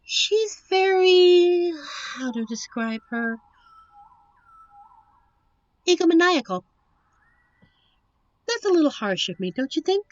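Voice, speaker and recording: A woman playing a captive young princess in a roleplay audio drama, witty and wistful, with genteel, formal storybook phrasing and thoughtful pauses. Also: very high voice, big pitch swings, no room sound, muffled recording, heavily acted. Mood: hesitant, wistful. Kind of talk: roleplay audio drama, one side of a dialogue.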